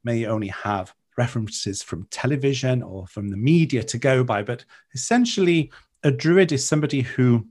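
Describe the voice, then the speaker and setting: A man with a Welsh accent, a native Welsh speaker, talking as a guest in an interview in a measured, lyrical, reflective way. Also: medium pitch, breathy edge. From Wales. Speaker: guest, author. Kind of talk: interview conversation.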